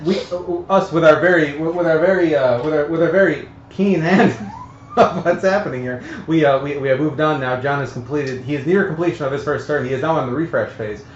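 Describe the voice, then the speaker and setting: A man hosting a casual live tabletop game stream, explaining rules in a halting, flustered way. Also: on the high side. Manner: halting, flustered delivery with repeated false starts. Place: echoey room with several mic stands. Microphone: stand mic. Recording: echoey, dull room recording with faint noise.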